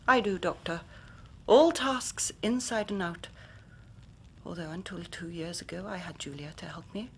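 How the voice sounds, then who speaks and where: An actress playing a grave young Victorian woman who tells her story in measured, formal speech, sometimes dropping to a hushed whisper. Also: lowish voice, a little hiss or hum. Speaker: client telling her story. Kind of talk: period radio drama acting.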